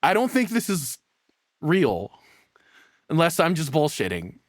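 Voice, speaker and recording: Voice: mid-range voice, huge pitch swings, unhurried, no echo, clean studio sound. A streamer giving casual off-the-cuff reactions, blunt, rambling and foul-mouthed.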